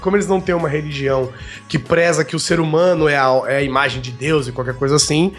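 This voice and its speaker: A man's voice: on the high side, steady tone, quick pace. A man with a Brazilian accent co-hosting a casual podcast, explaining things conversationally and often checking in with short tag questions. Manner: explanatory, tagging statements with "né". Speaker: podcast host. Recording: music bed under the voice. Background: background music.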